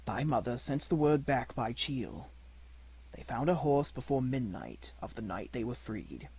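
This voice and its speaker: Man voicing a proud, low-toned black panther. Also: animated, a little slow, darkish tone, slightly rough, low-quality recording. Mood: calm, coaxing.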